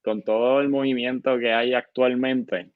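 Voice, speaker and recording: A man speaking as a podcast guest, relaxed and agreeable, slipping in the odd English word. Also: medium pitch, unhurried, smooth, dry recording. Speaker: guest, bookstore co-founder. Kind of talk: casual conversation. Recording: dull lo-fi podcast audio.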